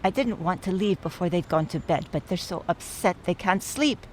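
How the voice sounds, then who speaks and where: A woman's voice: fairly low pitch, expressive, moderate pace, slight background noise, natural voice, poor audio. An actress playing an earnest, apologetic Jewish woman at a wake in a radio play, hesitant and easily exasperated. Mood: flustered, apologetic.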